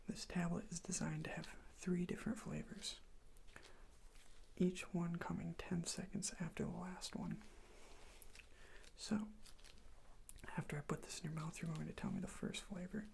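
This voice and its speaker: Creaky, whispering ASMR role-play voice. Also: medium pitch, level tone, normal speed, pauses often. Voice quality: breathy whisper with some creaky fry. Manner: gentle, reassuring, instructing step by step. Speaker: ASMR performer playing a medical examiner. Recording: faint background noise.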